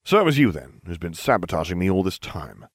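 A man voicing a smug, excitable young male wizard who is flippant and indignant, in a storybook. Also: low voice, a little fast, no room sound, clean studio sound. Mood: knowing. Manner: incredulous, flippant, exclaiming. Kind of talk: storybook character acting.

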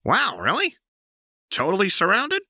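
A man's voice: high voice, huge pitch swings, measured pace, bright, forceful tone, breathy edge, no echo, studio quality, voice pushed up, heavily acted. A man voicing a manic, taunting young woman outlaw in an audiobook, with teasing, sing-song questions. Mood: mock-innocent glee. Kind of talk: audiobook character voice.

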